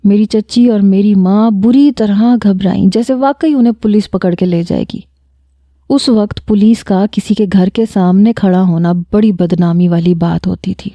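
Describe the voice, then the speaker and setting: A woman narrating a first-person romantic story with a lively, expressive reading. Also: mid-range voice, dry recording.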